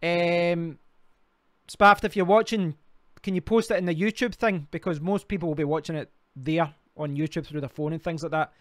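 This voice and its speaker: A man's voice: on the high side, fairly even intonation, moderate pace, a bit bright, no room sound, clean studio sound. A Scottish man hosting a casual live stream, rambling and talking to himself while clicking through sites. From Scotland. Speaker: crypto livestream host.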